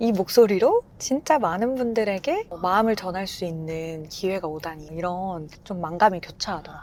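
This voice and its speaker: Amid noticeable background noise, a woman talks with hardly any pauses at a medium pitch, her pitch varying in an ordinary way while her loudness swings widely. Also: moderate pace. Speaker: entrepreneur and lifestyle YouTuber. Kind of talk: casual vlog chat.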